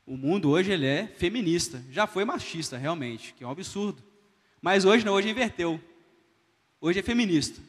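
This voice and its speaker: A male pastor delivers a sermon in a church, telling a story with emphatic, rising phrases. His voice sits fairly high for a man. A long reverb from the hall trails every line. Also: animated, moderate pace.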